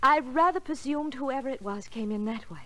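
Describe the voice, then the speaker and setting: An anxious wife in a vintage radio detective drama. Her voice is fairly high, with big swoops of pitch. She sounds flustered and hesitant, pleading one moment and evasive the next. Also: expressive, brisk, fairly bright tone. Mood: anxious explaining. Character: anxious, pleading, evasive married woman client. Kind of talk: 1940s radio drama acting.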